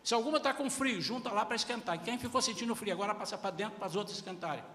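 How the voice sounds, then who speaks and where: A man preaching a sermon as pastor, emphatic and animated. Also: high-pitched, rapid-fire, slight background noise. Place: church. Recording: echoey church hall.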